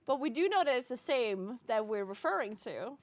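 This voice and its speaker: High-voiced playful woman streamer. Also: very animated, moderate pace. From Italy. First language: German. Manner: playful, laughs often, teasing. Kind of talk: casual chat with stream viewers.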